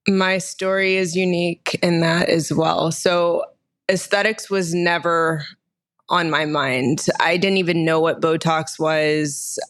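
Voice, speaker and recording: A woman's voice: fairly low pitch, steady tone, slow, fairly bright tone. A woman in her thirties from Texas, a guest telling her story candidly in a casual podcast interview, often laughing as she talks. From Austin, Texas, USA. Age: 30s. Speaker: guest, nurse injector.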